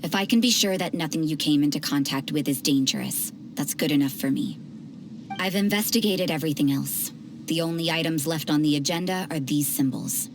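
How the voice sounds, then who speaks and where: A stern, low-voiced female officer. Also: fairly quick, slight background noise. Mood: cool. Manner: cool, dry, authoritative. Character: stern cool-headed woman officer, dry and wary. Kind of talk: game voice acting. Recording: game audio with clear music behind.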